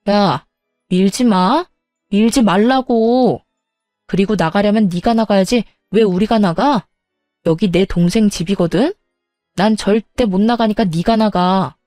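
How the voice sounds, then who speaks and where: A woman voicing a hot-tempered sister-in-law who shouts insults, with a mellow voice. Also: mid-range voice, a little slow, no echo, clean studio sound, faint music behind, natural voice. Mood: furious.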